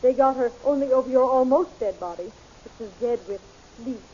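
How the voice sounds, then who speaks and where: An actress playing a concerned, kindly princess in a 1930s radio serial, on a muffled, hissy old recording. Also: female voice, high voice, moderate pace, mellow, slightly rough. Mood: reassuring.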